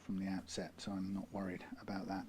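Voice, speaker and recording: A man's voice: low voice, little pitch movement, fast talker, a little mellow, a little hiss or hum. A man from the UK working through a guitar repair, talking in a rambling way, correcting himself and dropping dry asides. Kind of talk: workshop how-to narration.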